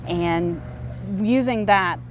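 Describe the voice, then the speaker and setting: A woman's voice: mid-range voice, drawn-out words. A woman explaining her work as an air traffic controller in an informal, plain-spoken interview.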